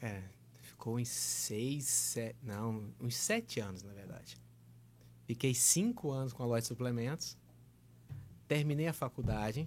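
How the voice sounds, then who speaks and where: A man speaks at a medium pitch with a somewhat breathy voice and ordinary pitch variation. His pace is fairly slow, with long, frequent pauses. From Recife, Brazil. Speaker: entrepreneur and lawyer. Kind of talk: casual podcast interview.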